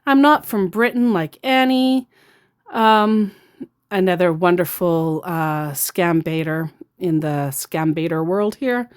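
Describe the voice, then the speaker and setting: A woman's voice: fairly low pitch, slow, smooth. A woman who baits scammers, narrating a casual vlog with a sarcastic, mocking manner. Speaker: scam baiter.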